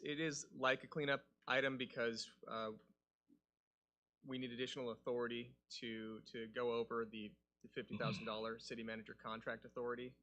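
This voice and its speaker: City staff guy explaining stuff at a meeting, forceful bright voice, pretty flat melody. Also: medium pitch. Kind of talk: explanatory answers at a public meeting.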